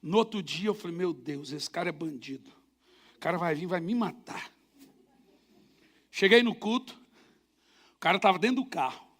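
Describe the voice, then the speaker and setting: High, bright-voiced Brazilian pastor preaching. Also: male voice, moderate pace, long pauses. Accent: Brazilian Portuguese. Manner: animated storytelling with sound effects. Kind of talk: sermon.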